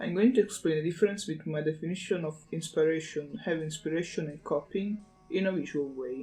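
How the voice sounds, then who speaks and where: Music plays behind a man talking at a very fast pace. His voice sits fairly high, with ordinary pitch variation. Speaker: artist and animator. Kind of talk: casual talk to camera.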